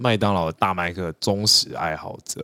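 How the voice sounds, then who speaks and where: A man's ordinary speaking voice, pitched fairly low, rises and falls with ordinary variation. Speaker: podcast co-host. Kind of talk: casual chat.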